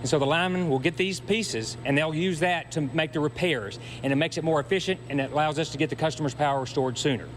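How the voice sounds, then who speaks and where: A man's voice: fairly high pitch, quick pace, few pauses. A man speaking as a utility spokesman, giving plain explanatory answers in a news interview. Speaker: power company spokesman being interviewed. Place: warehouse. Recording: faint hum behind.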